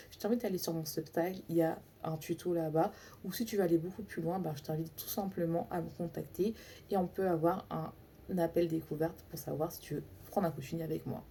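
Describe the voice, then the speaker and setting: A woman's voice: on the low side, warm tone, slight background noise. A woman mindset coach in a casual vlog, chatting in a confiding way and talking straight to the viewer with plenty of filler phrases. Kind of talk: casual self-help vlog to camera.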